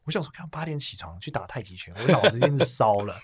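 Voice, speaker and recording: A man's voice: medium pitch, big pitch swings, fast, crowd noise. A man with a Taiwanese accent hosting a casual chat, inquisitive and joking, with slangy wording. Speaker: podcast host.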